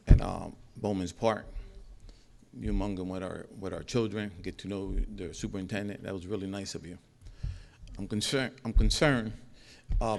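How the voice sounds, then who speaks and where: A man's voice: lowish voice, creaky, a little mellow. A middle-aged man giving a rambling, repetitive public comment at a school board meeting from a podium microphone, growing more heated as he goes.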